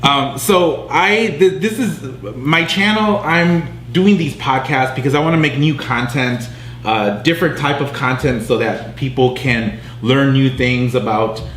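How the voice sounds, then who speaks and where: A man's voice: mid-range voice, unhurried, fairly bright tone, slight background noise. Rambling male podcast host, echoey room. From grew up near Chicago. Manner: friendly, rambling, restarts. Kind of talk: casual interview.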